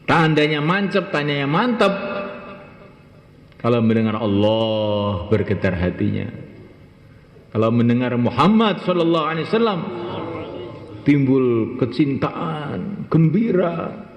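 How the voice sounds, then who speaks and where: A man delivering a Ramadan sermon to a congregation, emphatic, drawing out key phrases slowly and leaping up in pitch on exclamations. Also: very animated. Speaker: preacher. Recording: echoey hall, dull lo-fi sound.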